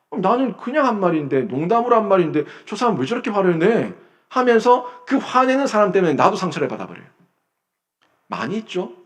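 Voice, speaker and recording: A male pastor delivers a Sunday sermon in a church sanctuary. His fairly high voice moves through a wide, lively pitch range. He keeps a forceful, emphatic delivery, alternating loud peaks with low, quiet lines. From South Korea. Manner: emphatic preaching, rising to loud bursts then dropping low.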